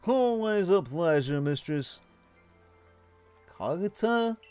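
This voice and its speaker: A man doing a smooth, flattering merchant. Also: high-pitched, takes it slowly, no echo, soft background music. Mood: friendly. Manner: friendly, flattering salesman patter. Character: smooth-talking young male merchant. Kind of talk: dubbing game dialogue aloud.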